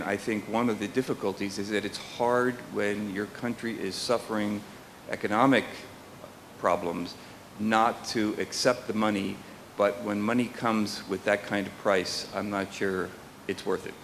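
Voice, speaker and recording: A man on a panel giving a halting, thoughtful response with restarts. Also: fairly even intonation, a bit bright. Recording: echoey hall, faint rumble.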